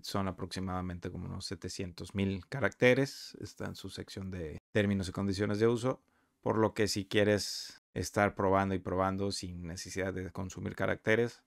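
A man talking conversationally and explaining step by step over a screen recording of a software walkthrough. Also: sits low, gravelly, dry recording, clean studio sound. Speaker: software reviewer.

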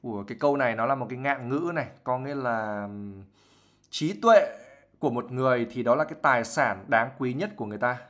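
A man's voice: mid-range voice, fast, few pauses, a bit bright. Chatty male English teacher on a live stream. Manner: chatty and explanatory, often sprinkling English words into his explanations; laughs and acts out examples while explaining. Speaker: IELTS teacher. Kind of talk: live vocabulary lesson, reading a novel aloud and explaining words.

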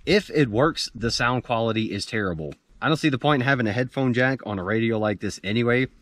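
A man's voice: mid-range voice, a bit bright, no echo. American man, plain-spoken, in a dry sound. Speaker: outdoor gear reviewer. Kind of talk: casual product review to camera. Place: outdoors in a dirt clearing among pines.

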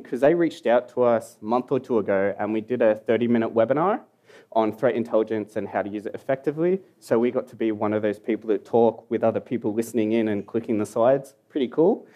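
A man's voice: mid-range voice, dark tone. A young Australian man with an Australian accent, giving a casual, joking conference talk that mumbles at times in a hall. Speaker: security conference speaker.

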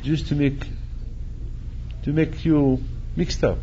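A man's voice: a little high, steady tone, slow, mellow, lo-fi sound, a little hiss or hum. An older man, a rabbi, preaching animatedly, repeating phrases and acting out quotes, speaking into a stand mic in a synagogue hall. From Morocco. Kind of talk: sermon. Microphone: stand mic at chest.

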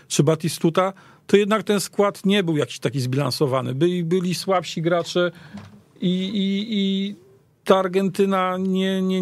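A man talking informally as a sports guest, in a halting way that often repeats words. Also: fairly high pitch, dry recording. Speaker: studio guest pundit. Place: radio studio.

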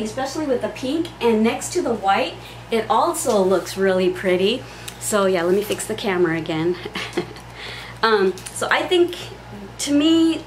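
A woman in her forties giving a chatty, rambling home tour vlog, full of ums, filmed in a small pink bedroom on a camera mic. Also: a little high. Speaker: craft vlogger. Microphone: camera mic on a tripod. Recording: echoey room, faint background hiss.

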